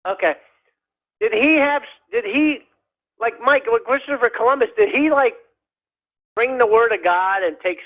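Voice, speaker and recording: A man calling in to a radio show, rambling in a halting way with many fillers and restarts. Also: very high voice, pushed and bright. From United States. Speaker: caller. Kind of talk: rambling call-in chat. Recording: dull lo-fi phone call.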